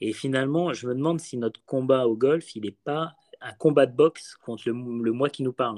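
Speaking at a moderate pace, a man has a plain, everyday voice at a medium pitch with ordinary pitch variation. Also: dry, close sound with no echo. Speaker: podcast host. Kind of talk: interview.

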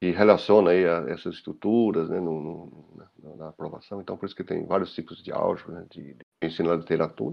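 This man speaks at a moderate pace with fairly even intonation. His pitch is very deep and low. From interior of São Paulo state, Brazil. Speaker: mathematics professor. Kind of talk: interview. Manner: hesitant, frequent fillers.

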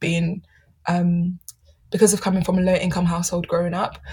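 In a London accent, a somewhat breathy woman speaks fairly quickly at a medium pitch. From South London (born in Ghana, moved at three). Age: 20s. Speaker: podcast commissioner. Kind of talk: casual chat.

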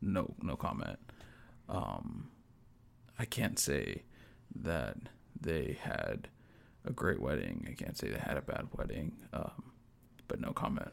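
In a put-on character voice, a man speaks with a gravelly, very deep, low pitch at a fairly slow pace, leaving long, frequent pauses. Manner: evasive, gruff.

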